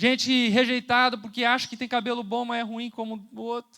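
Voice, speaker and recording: An animated, raised and projected voice at a moderate pace. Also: man. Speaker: pastor. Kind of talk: sermon.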